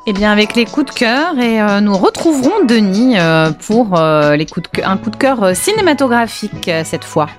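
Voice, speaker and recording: A woman co-hosting a library radio show, reading a classic novel aloud in a measured way with a few small slips. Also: mid-range voice, expressive, faint music behind. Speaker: co-host reading a novel excerpt.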